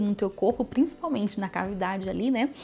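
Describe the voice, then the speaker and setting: With a Brazilian accent, a woman talks fairly quickly at a fairly high pitch with lively intonation. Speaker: vlogger. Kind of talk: personal storytelling vlog. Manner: casual, conversational.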